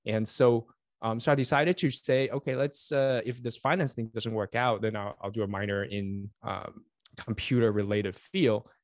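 A man's voice: on the low side, fairly even intonation, normal speed, no echo, clean studio sound. A man in his forties who grew up in Taiwan, a native Chinese speaker, chatting as an interview guest in a friendly, rambling way with many fillers and restarts, talking over a remote call. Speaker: guest, network engineer and author. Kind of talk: casual interview chat.

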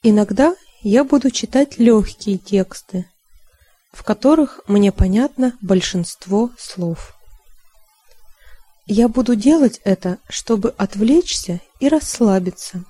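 A woman reading a language-learning text aloud in a slow, calm, deliberate way. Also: medium pitch, no room sound.

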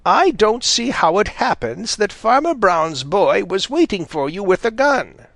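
A man voicing a sharp-tongued, cross old female fox in a storybook. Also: high-pitched, sing-song, measured pace, dry recording, voice pushed up, full character voice. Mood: lecturing. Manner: scolding, snappish.

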